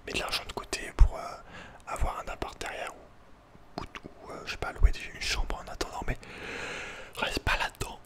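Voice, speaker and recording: A man speaks in a breathy whisper throughout, as in an ASMR video. His delivery is casual and slangy, with a hesitant, rambling flow. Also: brisk.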